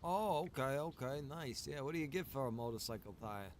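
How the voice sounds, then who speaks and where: A man's voice: medium pitch, lively intonation, brisk. Easygoing man chatting over noisy game audio. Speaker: roleplay game streamer playing a survivor. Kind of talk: improvised in-character casual chat.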